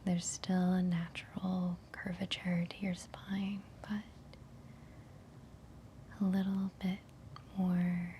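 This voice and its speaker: Woman, meditation guide. Hushed whisper, very even delivery, unhurried and soothing, faint ambient noise behind. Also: on the low side. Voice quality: soft, breathy whisper. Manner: gentle, unhurried, soothing instruction with long pauses.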